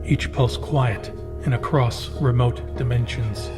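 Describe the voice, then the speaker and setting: A man's voice: mid-range voice, steady tone, takes it slowly. A man giving dramatic scripted trailer narration, with guitar music behind his voice. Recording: slightly distant, loud guitar music behind.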